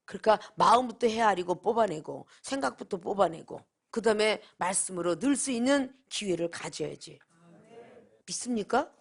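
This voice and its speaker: A woman's voice: mid-range voice, animated, normal speed, gravelly, slightly rough. A middle-aged woman who heads a seminary gives a preaching-style lecture, emphatic and full of rhetorical questions. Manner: emphatic, asks rhetorical questions, acts out quoted dialogue.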